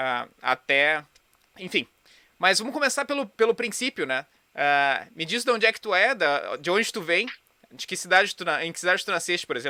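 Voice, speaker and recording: A man with a bright, sharp tone and lively intonation, fairly quick in pace, the sound dry and close with no echo. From southern Brazil, Porto Alegre. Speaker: podcast host. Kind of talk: interview conversation.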